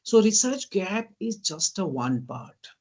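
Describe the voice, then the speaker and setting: A man with an Indian English accent, giving an online teaching lecture. He keeps asking "right?" and often says "ladies and gentlemen.". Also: high voice, sing-song, slow. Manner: lists terms in emphatic bursts. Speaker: guest lecturer.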